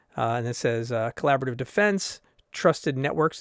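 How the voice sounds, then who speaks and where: On a very clean recording with a silent background, a man speaks with an American accent and ordinary pitch variation. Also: dry, close sound with no echo. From Boston, Massachusetts. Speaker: podcast co-host, cybersecurity executive. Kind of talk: casual chat. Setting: livestream.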